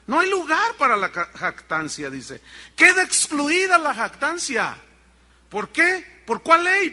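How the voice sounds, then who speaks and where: A man's voice: sits high, bright, forceful tone. A man preaching a sermon to his congregation, pressing them with rhetorical questions. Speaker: pastor. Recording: long reverb of a large hall.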